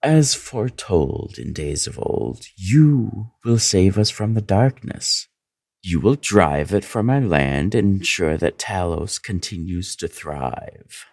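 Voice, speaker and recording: An actor playing a pompous, impatient royal priest who recites prophecy with haughty ceremony in a fantasy audio drama. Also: male voice, deep voice, animated, slow, vocal fry, a little mellow, no echo, studio quality, heavily acted. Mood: haughty, dismissive.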